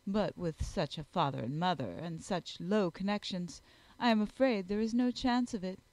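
A woman voicing a snobbish married society woman in a storybook, disapproving, with drawn-out, indignant emphasis. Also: lowish voice, a little mellow, no room sound, close to an everyday voice. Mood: condescending.

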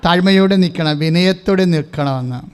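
High, resonant-voiced preacher man. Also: a little fast, clear, resonant tone. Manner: emphatic, has listeners repeat his phrases. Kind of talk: sermon with call-and-response prayer.

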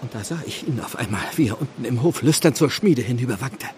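An actor playing an anguished village clergyman burdened with guilt, speaking gravely and earnestly in a radio play. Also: medium pitch, animated, fast talker, darkish tone, a little hiss or hum, natural voice. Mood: remorseful. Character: anguished, guilt-ridden English village clergyman confessing murder. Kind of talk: German radio play acting.

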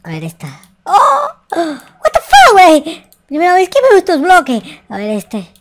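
A man's voice: very high-pitched, huge pitch swings, measured pace, background noise, full character voice. A man with a Latin American accent voicing a naive, mischievous young noob boy in an improvised game roleplay, exclamatory and playful. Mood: amazed. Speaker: gaming video host.

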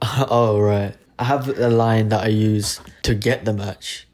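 A man's voice: lowish voice, steady tone, slow, darkish tone. A young man co-hosting a podcast, chatting casually and rambling with lots of fillers and restarts while he jokes. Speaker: podcast co-host. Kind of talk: casual chat.

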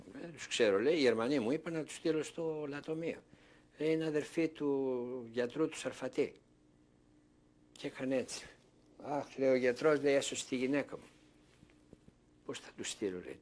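An older man from Thessaloniki speaks in a mid-range voice, giving oral history testimony as an interviewee. He tells his story by acting out conversations he remembers.

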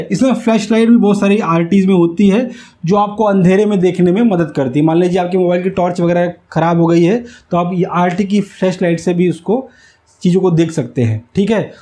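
A man with a warm, high-sitting voice explains step by step like an instructor, didactic and repeatedly checking that he's understood. It's an explanatory whiteboard tutorial, recorded on a lapel mic in a small indoor room with a whiteboard.

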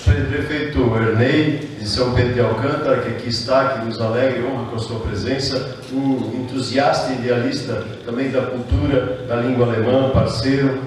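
A middle-aged man delivers a formal speech at a podium, earnest and unhurried, greeting each guest by name. His German-speaking upbringing sits behind his words. The sound is a very echoey hall with the voice picked up from a distance and a faint hiss underneath. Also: medium pitch, fairly even intonation. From southern Brazil. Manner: earnest, greets dignitaries one by one, with fillers. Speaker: mayor. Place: large reverberant hall, indoors. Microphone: podium microphone heard from a distance.

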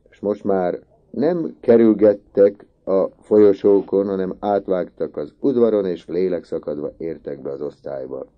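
A man reading a classic novel aloud as an audiobook narrator, measured and expressive. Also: low voice, muffled recording.

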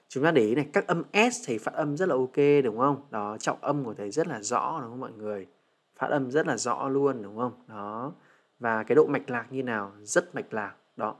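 A young man with a Vietnamese accent, teaching English on a livestream, who switches between slow, careful model answers and chatty, teasing asides. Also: mid-range voice. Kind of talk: livestream lesson.

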